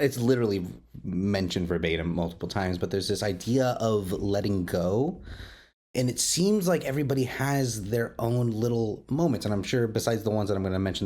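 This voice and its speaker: A podcast host and interviewer leads a roundtable discussion, his voice medium in pitch with a somewhat dark tone. He speaks with enthusiasm, frequently repeating himself or rephrasing partway through a sentence.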